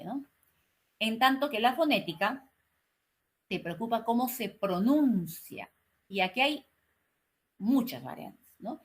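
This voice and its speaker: A woman teaching an online class, speaking slowly and articulating each word with care, with frequent checking questions and hesitations. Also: mid-range voice, fairly bright tone. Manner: slow, carefully articulated explaining; frequent "¿no?" and "eh" fillers.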